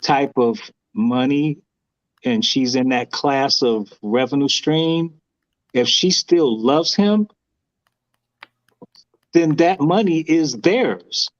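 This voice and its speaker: A man's voice: medium pitch, dry recording, dull audio. Opinionated man on a video panel. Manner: deliberate, opinionated. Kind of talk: casual panel discussion.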